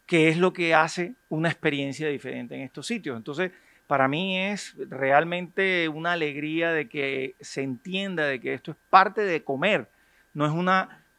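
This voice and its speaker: A restaurant owner interviewed indoors for the news, speaking with fluent enthusiasm. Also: male voice, fairly high pitch, moderate pace, pushed and bright, dry recording. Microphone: handheld reporter mic.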